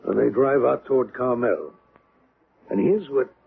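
A by-the-book police sergeant in a 1970s radio drama. His voice is gravelly and medium-pitched, his manner folksy and halting. The broadcast sound is narrow and old. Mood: explaining. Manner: folksy, hesitant, procedural. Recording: muffled, noisy old radio recording.

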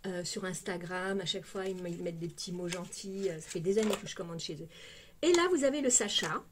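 A woman's voice: lowish voice, fairly quick, background noise. Chatty Parisian woman unboxing makeup. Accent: Parisian French. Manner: chatty, exclamatory, lots of "hein" fillers. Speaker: beauty vlogger. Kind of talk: casual unboxing chat.

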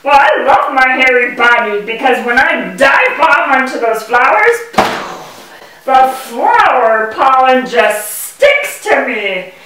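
A woman's voice: sits high, sing-song, takes it slowly, noisy background, heavily acted. A woman voicing a proud, bubbly male bee puppet in a children's show, boastful and theatrical with sing-song phrasing. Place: indoor puppet stage, far from the mic. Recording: echoey room, distant microphone.

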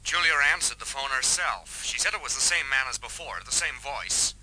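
A man's voice: medium pitch, a little fast, bright, forceful tone, a little hiss or hum, low-quality recording. An actor playing a detective's businesslike male associate in a radio drama, matter-of-fact in delivery.

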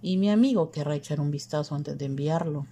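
Woman reading a calm, patient older man. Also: sits low, a little fast, slight background noise.

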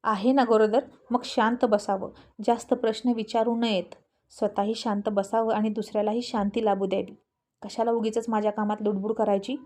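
A woman's voice: mid-range voice, flat delivery, moderate pace, a little mellow, close to an everyday voice. A woman reading as a stern police husband. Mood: curt. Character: stern male police officer, husband, curt.

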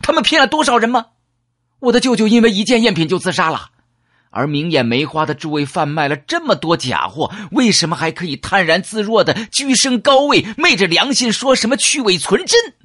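A man's voice: high voice, sing-song, a little fast, voice pushed up, full character voice. A man reading an audiobook, voicing a bitter young male villain who mocks and then rages. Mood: raging. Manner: mocking, then shouting in fury.

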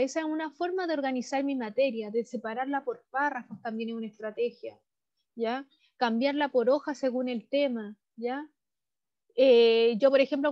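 Chilean woman teacher, high voice, explains patiently over a muffled video call. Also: darkish tone. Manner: frequent tag questions, explanatory. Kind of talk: online class lecture. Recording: dull lo-fi video call audio.

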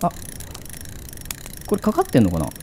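Man, casual gaming commentary, highly varied intonation, musing questions to himself, faint ambient noise. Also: wildly swooping pitch, normal speed, darkish tone. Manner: muses aloud, asking himself questions. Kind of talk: casual horror game commentary.

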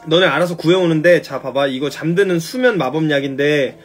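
A man's voice: a little high, soft background music, natural voice. A man doing a bossy clever schoolgirl. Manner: brisk instructing. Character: bossy clever schoolgirl, teen, know-it-all.

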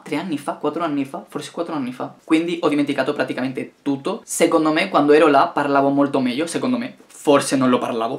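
A young man in his twenties from Spain, speaking with a Spain Spanish accent, reads out viewers' questions and answers them in a chatty, wry, self-mocking way. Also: on the high side. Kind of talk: casual Q&A vlog.

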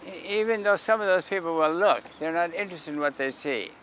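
A man's voice: on the high side, lively intonation, a little fast, a little hiss or hum. An older man talks in a slightly raised voice as he explains things to passersby, with dry humor. He is outdoors in a park beside a parking lot, and faint street sounds sit under his voice. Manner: calls out invitations loudly to passersby, dry humor. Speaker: sidewalk astronomer. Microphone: camera mic at a few feet.

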